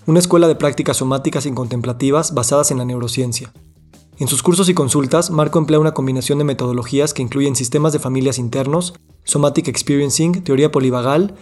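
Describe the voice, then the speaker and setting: A man's voice: medium pitch, darkish tone. A man hosting a podcast, reading the guest's introduction and asking curious, friendly questions. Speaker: podcast host.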